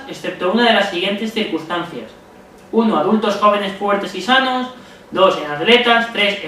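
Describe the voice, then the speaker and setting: Echoey high-voiced Spaniard tutoring. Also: male voice, a bit bright. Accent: Spain Spanish. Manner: methodical, checks in with listeners often. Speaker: medical exam tutor. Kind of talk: exam-strategy lesson. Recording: very echoey room, voice far from mic, faint noise.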